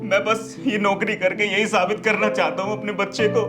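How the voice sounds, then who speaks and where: An actor playing a poor beggar who humbly pleads for work, in a web drama. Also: male voice, on the high side, normal speed, over music, close to an everyday voice. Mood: pleading.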